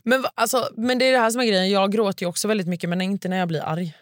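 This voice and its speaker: A woman's voice: medium pitch, fairly even intonation, no room sound, clean studio sound. A young woman from Gothenburg with a Gothenburg Swedish accent, chatting casually as a podcast co-host with lots of fillers. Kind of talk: casual chat.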